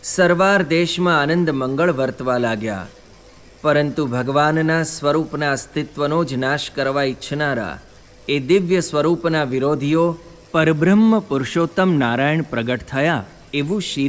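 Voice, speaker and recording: A man narrating a scripted devotional story in a measured, solemn way. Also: on the high side.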